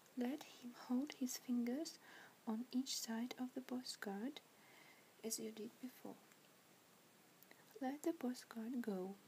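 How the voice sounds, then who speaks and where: Whispering at a very slow pace, a woman speaks with a Russian accent. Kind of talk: ASMR book reading. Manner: whispered.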